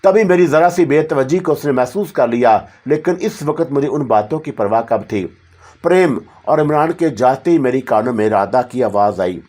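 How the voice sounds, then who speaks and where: A man's voice: medium pitch, animated, a little mellow. Man narrating a horror story.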